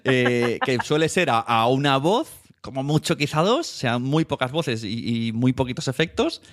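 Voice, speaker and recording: A man's voice: medium pitch, expressive, normal speed. A man from hosting a podcast in a casual, conversational way. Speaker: podcast host.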